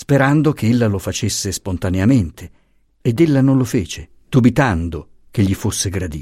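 The voice reads in a natural way. Lively intonation runs through it.

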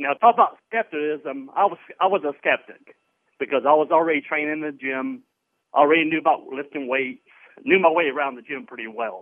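A normal speaking voice at a fairly quick pace, with ordinary pitch variation and big swings in loudness. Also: man, fairly high pitch for a man. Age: 40s. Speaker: caller, former fitness program client. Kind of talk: testimony. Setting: phone call.

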